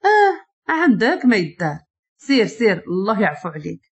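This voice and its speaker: A woman's voice: mid-range voice, very animated, normal speed. A woman with a Moroccan accent voicing a cool, proud young man who speaks dryly and seriously.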